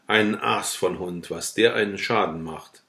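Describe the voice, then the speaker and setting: A man's voice: sits low, a little slow, bright, forceful tone, full character voice. A man reading the lines of a frightened young peasant woman who makes flustered excuses. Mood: defensive. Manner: flustered, defensive.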